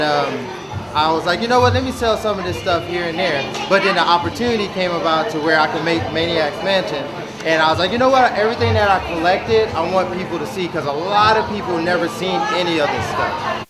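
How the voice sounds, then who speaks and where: High-pitched man, casual interview talk, loud crowd around him. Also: brisk. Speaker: interviewee, arcade owner and DJ. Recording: loud music and crowd noise behind. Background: loud music and a busy crowd.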